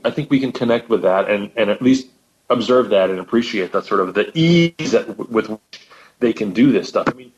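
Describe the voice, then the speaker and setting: A man talking casually as a podcast guest, thoughtful and rambling, often restarting his sentences. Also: medium pitch. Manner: thoughtful, rambling, frequent restarts and repeated words. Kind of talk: casual conversation about old radio comedy. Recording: lo-fi podcast audio.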